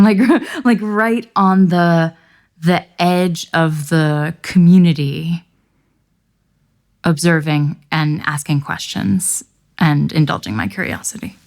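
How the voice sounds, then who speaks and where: A woman's voice: low-pitched, gravelly, darkish tone. A woman hosting an intimate podcast, talking candidly and reflectively and laughing easily. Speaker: podcast host.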